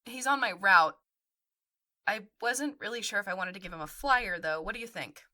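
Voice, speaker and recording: A woman's voice: medium pitch, normal speed, sharp tone, lightly acted. An actress playing a supportive, frank young woman in naturalistic audio drama dialogue. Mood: unsure.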